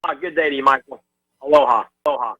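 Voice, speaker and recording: A man's voice: a little high, animated, quick pace, creaky, bright, forceful tone. Man on a crackly phone line that fades in and out. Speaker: radio show caller. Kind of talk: call-in talk over the phone.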